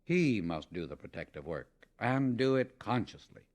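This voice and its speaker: A man reading a scripted spiritual teaching as an audiobook, in a solemn, deliberate and emphatic manner. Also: fairly low pitch, sing-song. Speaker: audiobook reader.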